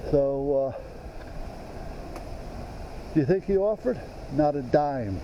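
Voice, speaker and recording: Over noticeable background noise, a man with a fairly high pitch and lively intonation speaks very slowly, with long, frequent pauses. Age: 70s. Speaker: homeowner vlogger. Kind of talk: casual walkthrough rant to camera. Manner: animated, aggrieved.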